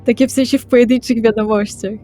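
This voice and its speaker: Higher-voiced woman role-playing over music. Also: fairly even intonation, quick pace, warm tone. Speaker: tabletop role-player. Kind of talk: improvised in-character chat and narration. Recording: music under the voice. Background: background music.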